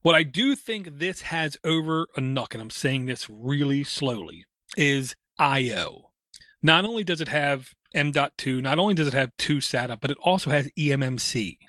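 A man's voice: on the high side, brisk, hardly any pauses, pushed and bright, dry recording, studio quality. Enthusiastic man in casual tech chat. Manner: enthusiastic, uses homespun comparisons.

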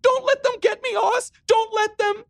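A woman's voice: very high-pitched, steady tone, normal speed, vocal fry, no echo, clean studio sound, voice pushed up. A man voicing a terrified young woman who whimpers and sobs hysterically.

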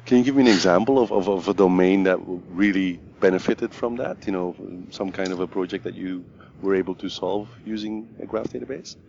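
A man hosting an interview podcast, friendly and halting, often repeating words as he asks questions. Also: sits low, creaky, darkish tone, lo-fi sound, slight background noise. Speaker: podcast host.

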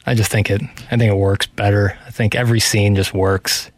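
A man working as a radio producer, talking casually and wryly in a flat, self-described monotone. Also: fairly low pitch, a little fast, no echo. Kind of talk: casual sports radio banter.

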